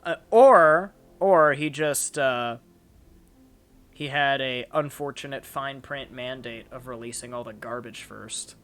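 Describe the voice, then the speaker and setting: Animated young man, bright voice. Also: mid-range voice, slow. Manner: rambling, animated, frequent restarts and fillers. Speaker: channel host. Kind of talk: casual chat.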